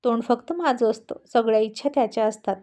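A woman's voice: on the high side, fast, warm tone, lightly acted. A woman voicing a playful young pregnant wife.

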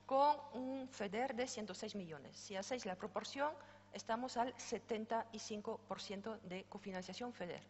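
A middle-aged woman from France with a French accent, head of a programme office, giving an informal, explanatory conference talk with fillers and self-corrections. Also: mid-range voice. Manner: explanatory, informal asides with light laughter and fillers. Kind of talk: conference presentation. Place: conference stage. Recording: dull sound with long hall reverb, faint hum.

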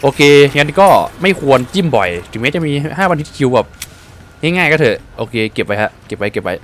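Excitable man commenting on a game. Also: on the high side, brisk, slight background noise. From Thailand. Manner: excitable, exclaims and swears at the game. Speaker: gaming streamer. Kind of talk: casual let's-play commentary.

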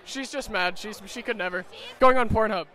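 A man's voice: high voice, moderate pace, sharp tone. A young man doing casual street interviews as the one asking the questions. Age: young adult. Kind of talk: casual vox-pop interviewing. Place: outdoors at a crowded street party. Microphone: handheld microphone.

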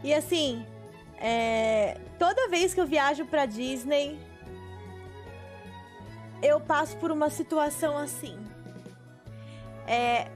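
A young woman streaming a life-sim game, chatting casually with viewers and telling stories, swearing now and then. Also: high voice. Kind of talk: casual gameplay chat with viewers. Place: small bedroom streaming setup, indoors. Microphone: headset mic on webcam stream.

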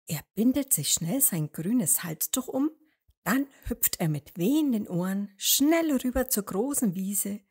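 A woman narrating a story for small children as an expressive storyteller. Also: mid-range voice, slightly rough.

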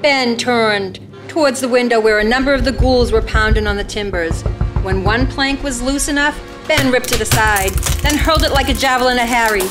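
Woman narrator, dramatic scripted reading, higher voice, music underneath. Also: normal speed.

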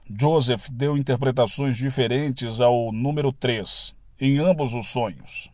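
A man with a Brazilian accent reading a spiritual lecture as scripted narration, in a measured, didactic way. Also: medium pitch, a little mellow, dry recording, clean studio sound.

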